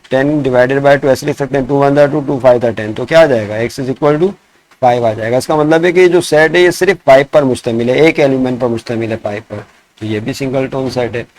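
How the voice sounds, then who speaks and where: A man's voice: medium pitch, darkish tone. Man teaching math, quizzing students. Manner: asks students questions and answers them himself; slows down to dictate problems word by word. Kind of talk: classroom lesson explaining sets.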